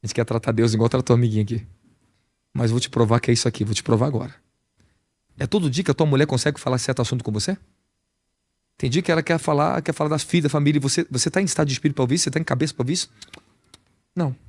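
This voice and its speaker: A man with a mid-range voice preaches as an apostle very fast but with long pauses. His sermon is animated and conversational, marked by a Brazilian Portuguese accent and many rhetorical questions.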